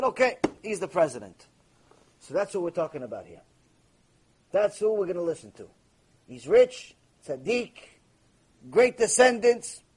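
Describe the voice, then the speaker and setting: A man's rather high, husky voice teaches a Torah class. He keeps putting questions to the room and answering them himself, with Hebrew terms mixed into his English. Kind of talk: lively recorded Torah lecture.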